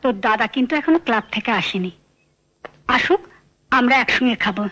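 An actress playing an affectionate, teasing sister-in-law in film drama dialogue. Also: female voice, on the high side, lively intonation, moderate pace, a bit bright, dull audio. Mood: teasing, warm.

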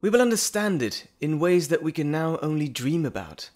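A man's voice: on the high side, sing-song, moderate pace, darkish tone. A man playing an earnest, polite, bashful doctor and lecturer in an audio drama, articulate and formal. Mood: passionate. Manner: articulate, formal, eager to ramble. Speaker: voice actor in audio roleplay. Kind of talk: audio drama roleplay acting, addressing the listener.

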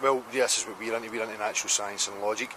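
A man's voice: fairly low pitch, fairly even intonation, rapid-fire. A middle-aged Scottish man questioning a stranger insistently on a riverside footbridge, holding a handheld mic. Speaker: street interviewer. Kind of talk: street interview. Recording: loud outdoor traffic noise.

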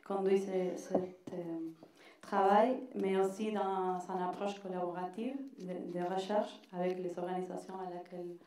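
A woman's voice: mid-range voice, mellow, slight background noise. Woman with a strong Argentine accent. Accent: Argentine Spanish. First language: Spanish. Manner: hesitant, many restarts and fillers. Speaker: panelist, anthropology researcher. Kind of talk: academic panel talk. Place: large hall on a stage. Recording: echoey hall from far off.

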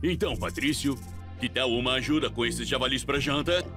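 A man's voice: mid-range voice, fairly quick, over music, lightly acted. A man voicing a cocky, boastful cowboy demon farmhand in a Brazilian cartoon fan dub. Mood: instructing.

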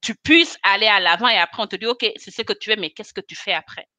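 A woman in her thirties talks animatedly over a video call, a bright, forceful voice with frequent laughs. The sound is dry and close, with no room echo. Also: medium pitch, quick pace. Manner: animated, expressive, laughs often. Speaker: guest, chemist and cosmetics consultant. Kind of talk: casual video-call interview. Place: small room indoors. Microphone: webcam on a video call.

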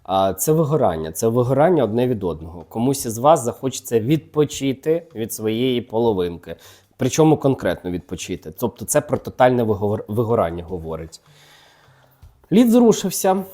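A man's voice: mid-range voice, big pitch swings, a little fast, dark tone. A man hosting a gossip channel, chatting casually and teasingly while reading tarot cards and talking straight to the people he gossips about. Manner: chatty and teasing, talks directly to celebrities.

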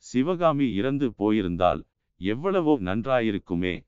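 A man's voice: medium pitch, sing-song, unhurried, a little mellow, smooth, no echo. A man voicing a grief-stricken elderly sculptor who laments his lost daughter, in a dull, lo-fi audiobook recording. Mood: anguished. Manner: wailing, lamenting.

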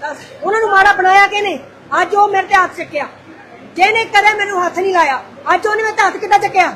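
A woman's voice: extremely high pitch, fast, sharp tone. A middle-aged woman arguing heatedly, agitated and accusing, talking over the others. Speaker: distressed woman being persuaded to return abroad. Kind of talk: heated real-life argument. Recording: crowd noise clearly behind.

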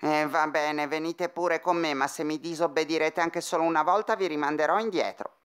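A woman's voice: low voice, fairly even intonation, moderate pace, clean tone, close to an everyday voice. Woman as a bossy little monster prince. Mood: bossy, irritated. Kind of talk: cartoon fandub acting.

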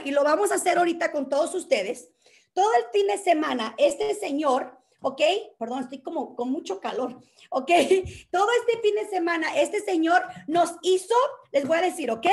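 A woman hosting a motivational workshop at home, talking energetically and mixing English words into her Spanish. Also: very high-pitched. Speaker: workshop host.

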